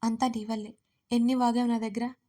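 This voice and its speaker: A tearful, fiery young wife from an audio storybook, as a woman storyteller puts her on, sobbing and scolding by turns. Her voice sits fairly high but stays level in tone. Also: little pitch movement, brisk, dark tone, lightly acted. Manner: sobbing, pleading then scolding.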